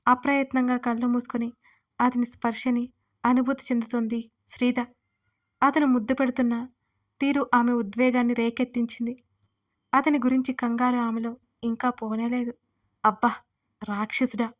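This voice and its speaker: A woman storyteller reading a scripted audio story in a steady, even way. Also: on the high side, moderate pace, pauses often.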